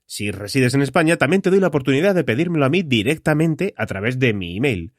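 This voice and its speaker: A man's voice: medium pitch, sing-song, fast talker, no echo, clean studio sound. A man from Spain with a Spanish accent hosts a podcast solo, talking conversationally straight to the listener and posing rhetorical questions. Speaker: podcast host.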